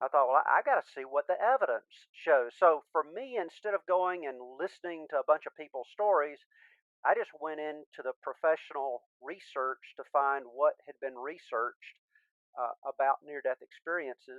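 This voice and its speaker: A man at a moderate pace with a Southern US accent. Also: ordinary pitch variation. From US South, Georgia. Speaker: author and educator. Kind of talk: interview. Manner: halting, repeats words.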